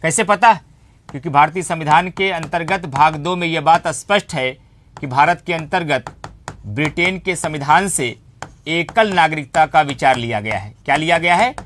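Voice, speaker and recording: A man's voice: on the high side, normal speed, a bit bright, a little hiss or hum. A man teaching an online civics class, emphatic, repeating phrases and posing rhetorical questions. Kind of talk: online exam-coaching lecture on civics.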